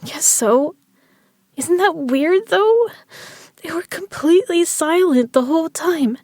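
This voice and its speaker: A woman's voice: extremely high pitch, animated, takes it slowly, a little mellow, no room sound, studio quality, full character voice. A woman acting a stubborn, injured gambler in an audio drama, strained but defiant. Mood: puzzled, uneasy.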